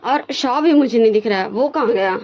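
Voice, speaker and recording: Fretful young male student, older brother, talkative, read by a woman, slightly high voice, muffled lo-fi sound. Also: a little fast, lightly acted. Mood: worried.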